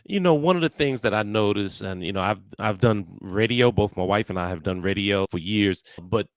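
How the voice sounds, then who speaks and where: A man's voice: on the low side, moderate pace, no room sound. A man hosting a radio interview, asking questions in a friendly, easygoing way.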